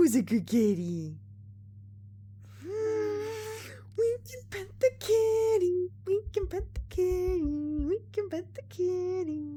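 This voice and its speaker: A put-on character voice speaks at a very slow pace over light background noise. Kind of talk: baby-talk. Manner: cutesy, sweet.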